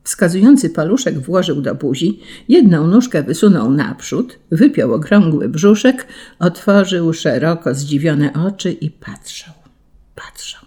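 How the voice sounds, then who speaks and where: A narrator reading an old children's story aloud in a gentle, expressive way. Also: mid-range voice, measured pace, slightly rough.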